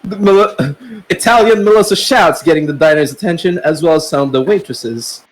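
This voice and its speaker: A man's voice: fairly high pitch, moderate pace, soft background music, rough recording. A man narrating a web novel chapter aloud on a podcast, stumbling and correcting himself as he reads. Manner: narrates with frequent slips, self-corrections and laughter.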